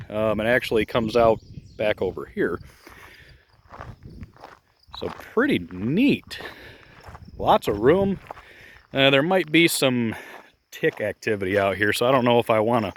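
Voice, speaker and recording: A model airplane club member gives a casual walking tour of a grassy outdoor field, rambling and chatty with lots of fillers. He records on a phone held in his hand as he walks. His voice is medium-pitched and a bit bright, with slight background noise.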